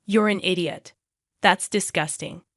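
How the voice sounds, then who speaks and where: Lady reading indignant sister-in-law lines, middling pitch, dry close sound. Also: unhurried, a bit bright, no echo. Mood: outraged. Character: outraged sister-in-law, adult woman.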